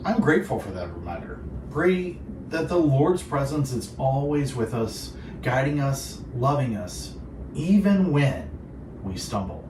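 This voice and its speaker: A man's voice: medium pitch, big pitch swings, unhurried. Distant, echoey man hosting Christian radio. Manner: earnest, reflective, polished phrasing. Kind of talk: devotional radio talk with co-host. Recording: roomy echo, distant, clearly noisy.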